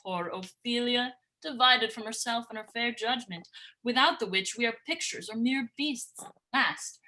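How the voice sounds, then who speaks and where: A woman's voice: fairly high pitch, a little slow, sharp tone, poor audio. A woman playing an anxious, grieving Danish king, declaiming verse in an amateur Shakespeare reading over livestream. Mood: troubled, lamenting. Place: remote livestream from separate location.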